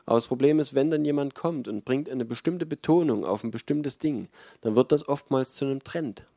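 A man preaching a sermon in a relaxed, mellow voice, talking to his congregation in a conversational and emphatic way with frequent fillers. The sound is dry and close, with little room around it. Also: mid-range voice, fairly quick, vocal fry, dry recording.

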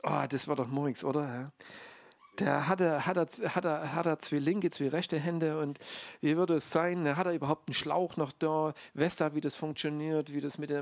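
Gravelly, chatty preacher. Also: male voice, fairly high pitch, no room sound. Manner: chatty, many fillers and restarts. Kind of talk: informal sermon.

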